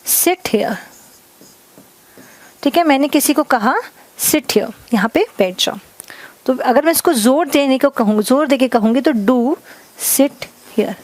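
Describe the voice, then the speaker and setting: A woman teaching English grammar in a classroom lesson, explaining slowly, mixing Hindi and English, and often checking whether students follow. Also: high-pitched.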